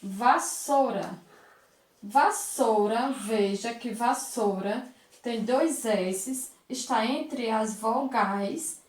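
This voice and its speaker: A woman's voice: fairly high pitch, extremely slow, roomy sound. A woman teacher giving a recorded lesson to children, talking affectionately, asking questions back and sounding out words one by one.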